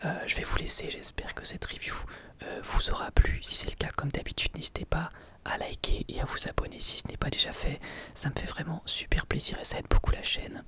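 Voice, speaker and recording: A person whispering a casual, enthusiastic ASMR review in a soft, breathy voice, with slangy wording, as host of an anime channel. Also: mid-range voice, level tone, brisk.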